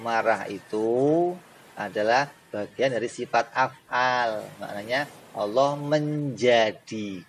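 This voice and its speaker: A man teaches Islamic theology in a lively way. He fires rhetorical questions at his students and drops in joking asides. His voice sits at a middle pitch, with a faint ambience underneath. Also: takes it slowly, slight background noise, rough recording. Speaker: religious teacher.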